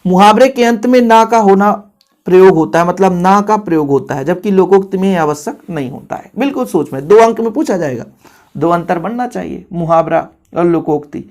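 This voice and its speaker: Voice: mid-range voice, brisk, a little mellow. A teacher giving a casual exam-prep grammar lesson. The teacher talks straight to the students and repeats key points for emphasis.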